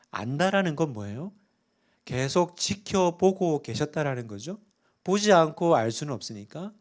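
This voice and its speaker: A middle-aged male pastor gives an earnest sermon in a church sanctuary. His voice sits a little higher than most men's. He keeps turning to the congregation with questions. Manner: earnest preaching, often asks the congregation questions.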